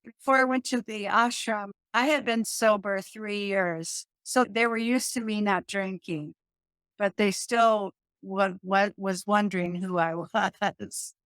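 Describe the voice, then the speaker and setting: A middle-aged woman, a yoga teacher and hypnotist, talking animatedly in an interview, often laughing and restarting her sentences, with a calming voice. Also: medium pitch, takes it slowly, dry recording. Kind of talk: conversational interview.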